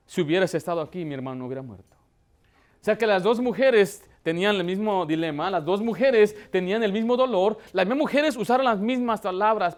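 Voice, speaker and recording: A pastor with a high voice preaches a church sermon, frequently pausing to put questions to the congregation. His emotion builds as he drives his point home.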